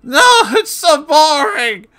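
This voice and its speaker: A demon-possessed woman, put on by a man, howls and snarls in a high, strained voice. She is crude and furious, straight out of a comic horror storybook. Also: animated, takes it slowly, sharp tone, heavily acted. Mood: snarling defiance.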